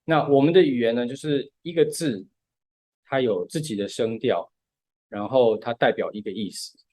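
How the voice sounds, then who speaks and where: A man talks through musical ideas at an unhurried, patient pace, often dropping in short words of agreement. His voice is mid-pitched. It is recorded close and dry, with no room sound. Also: a little mellow, no room sound. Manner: patient step-by-step explaining, often says "对". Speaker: podcast co-host explaining music. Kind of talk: casual podcast chat.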